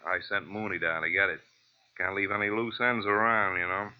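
A world-weary police lieutenant, acted by a man in an old radio crime drama. His voice is on the low side and his delivery dry and matter-of-fact. The recording is muffled and lo-fi. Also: steady tone, a little fast, clean tone, lightly acted. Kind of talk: 1940s radio detective acting.

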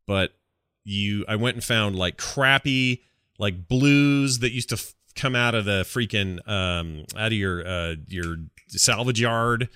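A man's voice: lowish voice, slow pace, bright, forceful tone, smooth, no echo. A man hosting a gaming podcast, chatting casually and with informal enthusiasm. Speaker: podcast host.

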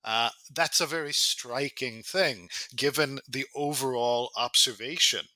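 A man's voice: mid-range voice, a little slow, bright, forceful tone, no room sound, low-quality recording. A man interviewing a guest in a considered, academic way, building long and carefully qualified questions.

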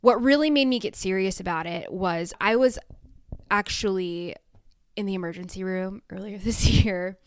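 A young woman hosting her own podcast, talking frankly and oversharing, swearing freely and mimicking herself in high, silly voices. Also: moderate pace, clean tone, dry recording. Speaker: podcast host. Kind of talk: candid solo podcast monologue.

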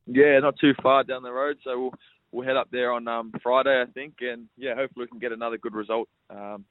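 A young Australian man, a rugby league player from Sydney, answers interview questions by phone in a relaxed way, often repeating words and saying mate. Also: mid-range voice, a little fast, dry recording. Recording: tinny phone line.

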